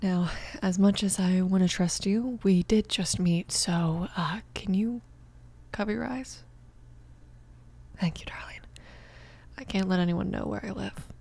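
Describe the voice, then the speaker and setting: A woman performing a young female mafia boss in an intimate ASMR romance audio drama. Her voice is husky and breathy, often slipping toward a whisper. She is commanding and fiercely protective, with a soothing tenderness. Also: medium pitch, a little slow, darkish tone. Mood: tender, reassuring.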